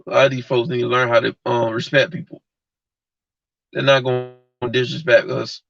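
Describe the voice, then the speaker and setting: A man's voice: mid-range voice, flat delivery, normal speed, gravelly, a bit bright, dry recording. A man hosting a livestream, giving a blunt, heated, slangy rant straight to his viewers. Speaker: livestream host. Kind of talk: casual slangy rant to live chat. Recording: dull lo-fi mic.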